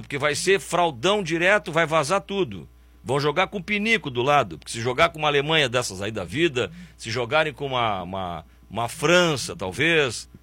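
Man, sports talk host, blunt sarcastic rant, husky bright voice, very animated pitch. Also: dry recording. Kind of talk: opinionated football commentary.

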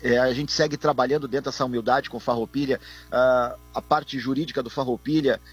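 A man's voice: mid-range voice, steady tone, brisk, slightly rough. A man, calling in to a radio interview on speakerphone. He speaks earnestly and repeats himself, often turning back to the host. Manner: earnest, repetitive, keeps addressing the host. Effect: on speakerphone over a phone line. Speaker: football club vice-president calling in.

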